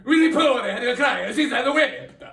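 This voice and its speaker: A man playing an emotional comic foreign funeral orator, halting and melodramatic, in a Shakespeare monologue with broken phrasing. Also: very high-pitched, expressive, gravelly, a bit bright, a little hiss or hum, heavily acted. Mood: emotional, indignant. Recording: roomy sound, far from microphone.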